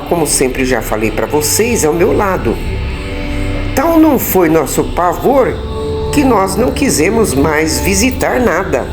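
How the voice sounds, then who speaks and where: A woman with a Brazilian Portuguese accent narrating a suspense story in a dramatic storytelling manner with drawn-out words. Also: fairly low pitch. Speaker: storyteller, channel host. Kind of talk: scripted horror story narration.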